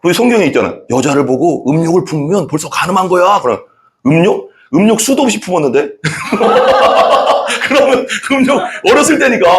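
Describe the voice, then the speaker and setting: A male pastor with a high-sitting voice relates his personal testimony in a sermon. His storytelling is lively, and he acts out the people involved.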